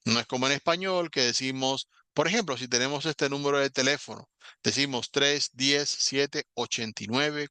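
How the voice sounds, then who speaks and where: A man teaching an online English class, patiently explaining step by step and saying English words slowly as examples. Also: mid-range voice, bright, forceful tone, no room sound.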